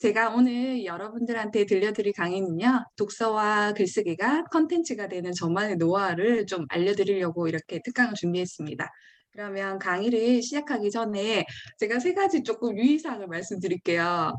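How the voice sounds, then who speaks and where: Against a quiet background, a woman with a slight Daegu accent speaks at a moderate pace and medium pitch, with lively intonation. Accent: slight Daegu (Gyeongsang). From Daegu, South Korea. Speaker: author and former Korean-language teacher. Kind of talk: online lecture.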